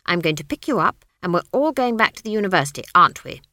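A woman's voice: fairly low pitch, big pitch swings, fast, sharp tone, no echo, clean studio sound. Woman putting on a stern, imperious old witch. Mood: threatening. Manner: scolding, clipped, imperious. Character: stern old witch, sharp-tongued and commanding. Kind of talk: audiobook character voice.

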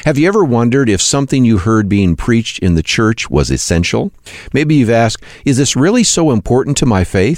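Deep-voiced man narrating, lively intonation. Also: dry recording, clean studio sound. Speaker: radio program host. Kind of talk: scripted radio teaching narration.

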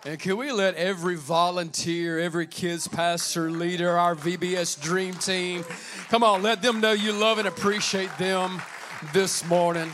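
A man's voice: high-pitched, level tone, moderate pace, fairly bright tone, a little hiss or hum. A man pastor giving a rousing rally speech to a congregation, calling out short exclamations and urging the crowd on. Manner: exhorting, exclamatory short phrases.

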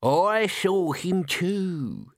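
A man voicing a shaken, self-important scenery painter in an excitable, plaintive, drawn-out way. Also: sits high, dry recording, studio quality, voice pushed up, heavily acted. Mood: horrified.

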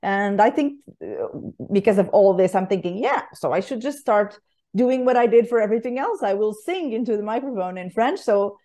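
A woman's voice: mid-range voice, animated, normal speed, warm tone. A woman hosting a podcast, chatting enthusiastically and laughing often. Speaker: podcast host. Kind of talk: conversational podcast interview.

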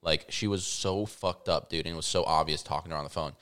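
A man's voice: very deep voice, steady tone, fast talker, a bit bright, clean tone. A young man chatting casually on a podcast, telling a story with lots of fillers. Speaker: podcast co-host. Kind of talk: casual chat.

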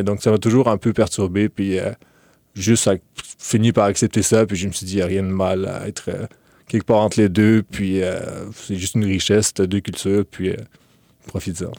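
Deep, flat-voiced young man, hesitant. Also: fairly quick, dry recording. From Ukraine. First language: Russian. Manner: hesitant, many fillers and restarts. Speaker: guest. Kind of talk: relaxed interview talk.

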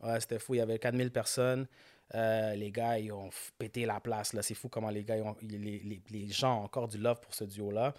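A man's voice: lowish voice, a little fast. A young man with a Quebec French accent, telling stories in casual chat and slipping into English. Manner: mixes French and English, animated storytelling.

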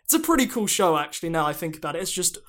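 Rambling podcast host, full of fillers. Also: male voice, a little high, big pitch swings, rapid-fire, a bit bright. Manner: rambling, filler-heavy storytelling. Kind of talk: casual chat.

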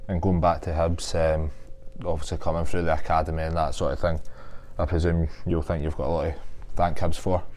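Man, low pitch, even intonation, informal matey interviewer, casual sports chat, faint background noise. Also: a little fast, hardly any pauses. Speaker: interviewer, host.

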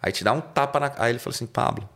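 Racing along in a mid-range voice with vocal fry and a bit of brightness, a Brazilian car salesman guests on a podcast. He tells slangy, casual stories and performs the quoted dialogue.

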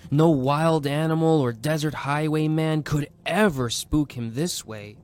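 A man's voice: on the high side, measured pace, darkish tone, clean tone. A man narrating a scripted story with intense, suspenseful delivery. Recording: background music under the voice.

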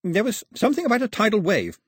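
A man voicing an imperious, impatient gentleman of the Crown in a formal, commanding, clipped manner for an audiobook. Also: high voice, wildly swooping pitch, fast, husky, dry recording, studio quality, pitched above the performer's own voice, exaggerated voice. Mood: tense, grave.

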